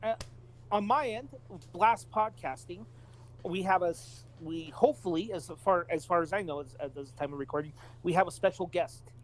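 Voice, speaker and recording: A man's voice: sits high, moderate pace, low-quality recording. A man co-hosting a podcast in a casual, conversational style. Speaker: podcast co-host. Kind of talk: casual chat.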